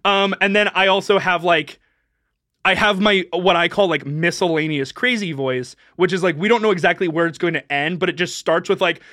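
A woman's voice: lowish voice, normal speed, fairly bright tone, no echo, clean studio sound. A young adult woman co-hosting a casual podcast, rambling and self-deprecating, laughing often. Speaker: podcast co-host. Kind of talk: casual chat.

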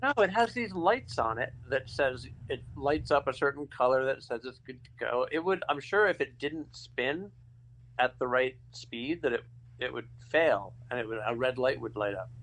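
Casting note: low-voiced woman, dry self-mocking banter, lively inflection. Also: normal speed, low-quality recording. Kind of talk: casual podcast chat.

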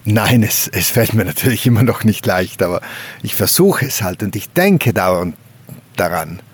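A man from a mountain valley in South Tyrol, speaking outdoors in a slow, reflective way and often pausing to search for words. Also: fairly low pitch, expressive, slightly rough. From Gröden valley, South Tyrol, Italy. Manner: slow, thoughtful, searching for words with frequent hesitations. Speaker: interviewee. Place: outdoors on a mountain slope by a wooden hut.

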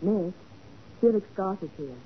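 A woman's voice: medium pitch, lively intonation, unhurried, natural voice. A woman playing an inquisitive, eager detective's secretary in a 1940s radio drama, with a curious, reactive manner. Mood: polite, businesslike. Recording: muffled, noisy 1940s radio recording.

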